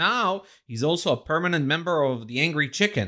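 On a very clean recording with a silent background, a man speaks at a moderate pace in a bright, sharp tone. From Israel. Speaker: podcast co-host, game analyst. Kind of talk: casual chat.

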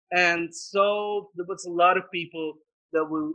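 With an Italian accent, a man talks at a fairly slow pace in a high pitch. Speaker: interview guest. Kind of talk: interview. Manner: halting.

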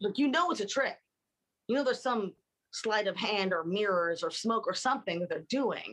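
An ordinary speaking voice with an American accent, lively intonation, a moderate pace and very even loudness. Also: woman, fairly high pitch for a woman. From Baltimore, Maryland, US. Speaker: actor. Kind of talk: casual interview chat.

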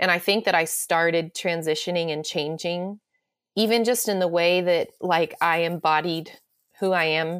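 A woman with an American accent speaks in a normal speaking voice at a moderate pace, her fairly low pitch held in fairly even intonation, on a very clean recording with a silent background. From Oklahoma, New Mexico and Missouri (Joplin). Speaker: author and speaker. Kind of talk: interview conversation.

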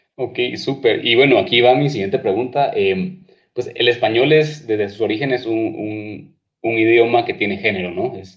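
A man at a fairly slow pace and medium pitch. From Guatemala. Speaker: podcast host. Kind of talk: interview. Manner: hesitant, many fillers.

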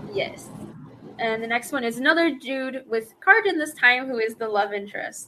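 A high-pitched woman's voice at a moderate pace. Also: ordinary pitch variation. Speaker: cosplayer. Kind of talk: casual chat. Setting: live stream.

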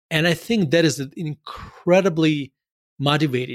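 In a very clean recording with a silent background, a man speaks with a Russian accent. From Murmansk, Russia. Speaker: author and investor. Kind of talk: podcast interview.

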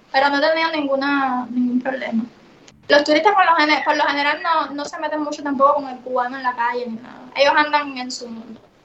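Speaking fairly quickly, a woman uses a high pitch with fairly even intonation and big swings in loudness. Noticeable background noise sits behind her. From Cuba. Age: 20s. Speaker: youtuber and industrial engineer. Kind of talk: interview.

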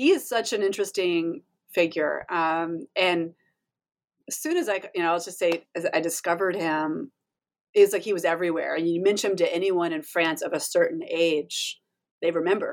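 On a very clean recording with a silent background, a woman speaks at a moderate pace, her fairly low voice showing ordinary pitch variation. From US South, Durham, North Carolina. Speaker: historian. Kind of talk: interview. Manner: many fillers and hesitations.

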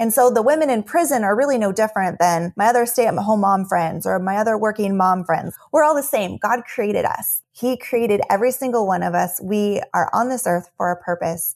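In a very clean recording with a silent background, a woman with an unremarkable speaking voice talks at a fairly quick pace and fairly high pitch, her intonation lively and her pauses nearly absent. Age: 30s. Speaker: life coach and prison volunteer. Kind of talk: casual faith conversation.

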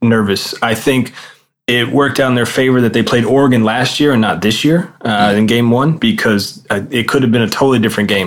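A man's plain, everyday voice at a medium pitch, with fairly even intonation and a fairly quick pace. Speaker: sports podcast co-host. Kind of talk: casual chat.

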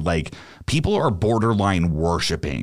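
This man's voice sits very deep and low in pitch. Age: 30s. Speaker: podcast host. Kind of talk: casual chat. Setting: studio.

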